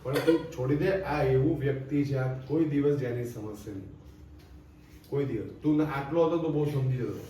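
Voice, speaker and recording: A man in his thirties, a father calmly lecturing his son at home. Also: mid-range voice, normal speed, slight background noise. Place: family home, indoors. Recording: echoey, distant phone audio.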